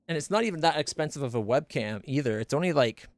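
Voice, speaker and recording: Chatty man with a higher voice. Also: expressive, fast talker, no room sound. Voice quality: not very deep voice. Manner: rambling, self-correcting, stumbles over names. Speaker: streamer. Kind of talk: casual chat about gear on a game stream. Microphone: studio condenser mic up close.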